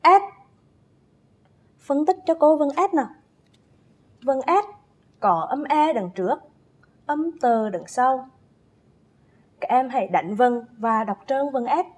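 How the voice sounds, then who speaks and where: A woman teacher giving a first-grade phonics lesson, speaking with slow, careful enunciation and drawn-out spelling drills as she calls young pupils to read along. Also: high-pitched, lively intonation, a little mellow, husky. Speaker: primary school teacher.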